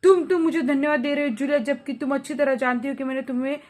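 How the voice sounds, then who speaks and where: A woman's voice: high voice, moderate pace, a bit bright. Woman reading as a stern lecturing employer. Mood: angry. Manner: lecturing, grows agitated and stammers. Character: stern scheming male employer, middle-aged, lecturing.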